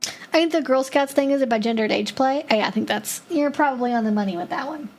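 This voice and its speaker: A woman with a fairly high voice hosts a relaxed live stream, answering viewer questions one after another. She talks in a loose, chatty way and thinks aloud with plenty of filler words. Faint music plays softly underneath her. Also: fast.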